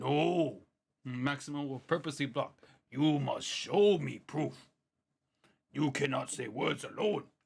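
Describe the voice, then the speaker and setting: In a very clean recording with a silent background, a man does a raspy, put-on character voice at a fairly high pitch, speaking at a fairly slow pace with long, frequent pauses. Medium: actual play. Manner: simple, blunt, broken grammar.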